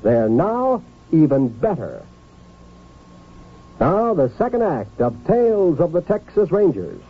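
A male vintage radio announcer with a slightly rough, lively, swinging voice. He sells emphatically and folksily, as in a 1950s commercial. The sound is very narrow and tinny. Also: fairly high pitch, takes it slowly. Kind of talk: 1950s radio advertisement read.

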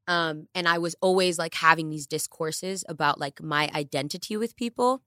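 Low-voiced candid woman podcaster. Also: moderate pace, no echo, studio quality. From the Bronx, New York. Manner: candid, animated, voice rising and dropping in bursts. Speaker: podcast co-host. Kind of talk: casual podcast chat. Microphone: studio podcast mic.

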